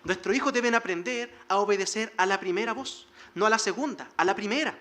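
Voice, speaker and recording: A male pastor delivers a sermon in a high, ringing voice. He exhorts the congregation earnestly and slips into short acted lines of dialogue to make his point. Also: fairly quick, fairly bright tone. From Chile.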